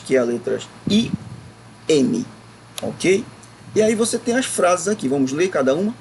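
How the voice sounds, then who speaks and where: A man teaching a recorded grammar lesson, explaining patiently and stretching words slowly to stress their syllables. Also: medium pitch, a little mellow, slight background noise, poor audio.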